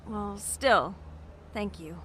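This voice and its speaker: A woman's voice: mid-range voice, drawn-out words, fairly bright tone, a little hiss or hum. An actress playing a friendly, easygoing young bookish woman in a naturalistic audio drama, speaking casually. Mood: friendly, polite. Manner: casual, conversational.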